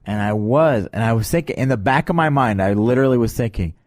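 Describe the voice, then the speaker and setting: A man hosting a podcast in casual, joking banter, talking in a meandering, halting way on a close mic. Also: medium pitch, animated, dry recording. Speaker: podcast host.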